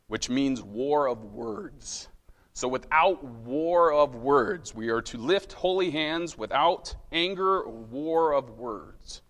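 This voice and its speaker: A man of middle pitch preaches a sermon in a casual, conversational way, often restarting his thoughts and checking in with "all right?" He is self-deprecating and speaks plainly rather than with pulpit grandeur. His voice rings out through a large hall with a long reverb tail. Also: fairly bright tone. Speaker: lay preacher.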